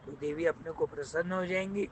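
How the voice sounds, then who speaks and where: Bossy tribal chief guy, eager, kinda high voice, a man putting him on. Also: fairly even intonation, fairly quick, slight background noise, lightly acted.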